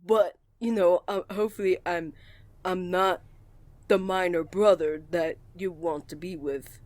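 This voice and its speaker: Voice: mid-range voice, fairly even intonation, a little slow, darkish tone, dry recording, close to an everyday voice. A voice actor playing a shy, flustered male college student in love, stammering, earnest and courteous, in a romantic ASMR roleplay. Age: young adult.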